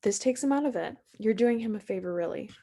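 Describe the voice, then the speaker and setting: A woman's voice: medium pitch, expressive, quick pace, dark tone. A woman playing a bold, mischievous mayor's wife, confident, persuasive and wry, at a screenplay table read. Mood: confident, sly.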